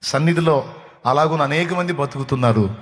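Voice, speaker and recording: A man's voice: on the high side, normal speed, slight background noise. A man preaching a sermon as pastor, repeating his points emphatically and addressing listeners as his children. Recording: long reverb of a large hall.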